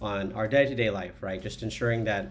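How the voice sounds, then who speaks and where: A man talks at a very fast pace with lively intonation. Music plays in the background, and room echo is audible. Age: 20s. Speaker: person living with cystic fibrosis. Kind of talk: testimony. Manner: hesitant, many fillers.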